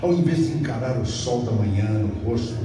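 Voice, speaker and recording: A middle-aged man giving a motivational opening speech, measured and emphatic with dramatic pauses. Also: mid-range voice, expressive. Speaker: motivational speaker. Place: video on a screen in a dark event hall. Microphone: phone filming the screen from the audience. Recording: echoey hall from far off with music.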